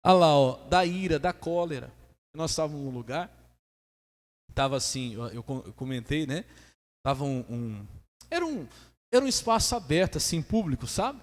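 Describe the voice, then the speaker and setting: A man with a Brazilian Portuguese accent preaching a sermon as pastor, lively, calling on the congregation to say amen. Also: a little high, normal speed, pauses often. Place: church hall. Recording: long church reverb.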